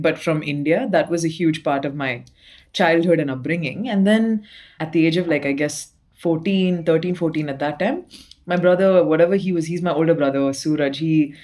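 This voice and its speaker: Young woman guest, low-pitched, chatty and laughing, casual remote interview. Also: darkish tone. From Dubai. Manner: chatty, laughs often, many fillers. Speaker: guest singer-songwriter.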